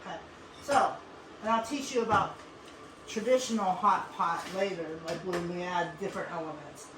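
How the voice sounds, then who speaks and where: A woman's voice: fairly low pitch, normal speed. A woman from Western Pennsylvania hosting a casual cooking demonstration, chatty and instructive, with frequent asides. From Western Pennsylvania, USA. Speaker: cooking show host. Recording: echoey room with clear background noise.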